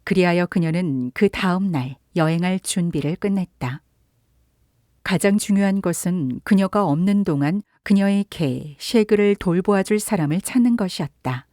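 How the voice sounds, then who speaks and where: A woman narrating a literary story for an audiobook in a calm, measured way. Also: lowish voice, no room sound, clean studio sound.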